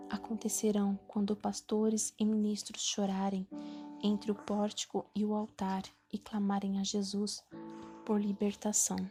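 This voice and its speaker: A woman with a Brazilian Portuguese accent narrates a Christian devotional book in an earnest, steady manner. Her voice sits at an ordinary middle pitch. Clear instrumental music plays beneath the reading throughout. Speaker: audiobook narrator.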